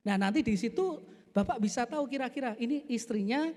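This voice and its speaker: A man voicing a calm male doctor who patiently explains things step by step. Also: extremely high pitch, brisk. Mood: explaining. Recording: echoey hall.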